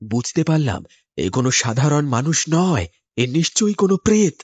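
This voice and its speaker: Narrating a horror cartoon in the first person, a man speaks in a tense, dramatic storytelling manner with sudden rises. His voice is fairly high, very animated, darkish and slightly rough, at a moderate pace, with no room sound.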